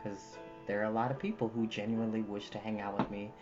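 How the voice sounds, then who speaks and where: A livestream host of about thirty chatting casually and exclaiming in an animated, talkative way. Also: medium pitch, quick pace, muffled recording. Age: 30s. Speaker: livestream host who reads books aloud. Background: prominent jazz music.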